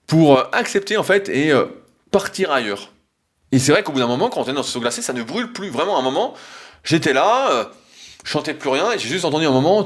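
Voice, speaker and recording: A man talks alone into his podcast mic, his pitch sitting at an ordinary middle height for a man. He rambles and hesitates, circling back through fillers and restarts as he thinks aloud. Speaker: podcast host. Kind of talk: solo podcast monologue.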